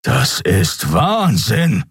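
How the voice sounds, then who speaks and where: A man doing a gruff, yelling beast-man. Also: fairly low pitch, wildly swooping pitch, very slow, dry recording, studio quality, full character voice. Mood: alarmed. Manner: yelling, blunt. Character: gruff male beast-like crewman, hot-tempered.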